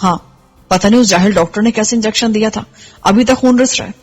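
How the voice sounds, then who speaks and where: A woman voicing a captive young man who calmly reassures his companion, in a hushed, breathy way. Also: medium pitch, faint music behind, lightly acted. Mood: reassuring.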